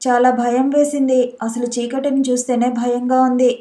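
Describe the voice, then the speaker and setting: A woman's voice: high-pitched, little pitch movement, normal speed, mellow, close to an everyday voice. A woman voicing a frightened young wife who has just woken from a nightmare, in a storybook reading with a breathless, scared manner. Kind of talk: audiobook character voice.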